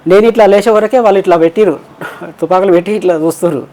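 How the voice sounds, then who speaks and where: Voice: medium pitch, fast talker, warm tone. A transgender interview guest with a Telangana Telugu accent, telling long rambling personal stories and acting out quoted voices. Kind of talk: casual storytelling.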